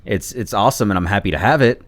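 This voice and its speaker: A man's voice: on the low side, lively intonation, fast talker, dry recording. A man chatting casually as a podcast guest, talkative and informal, rambling through his thoughts. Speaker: podcast guest, video creator.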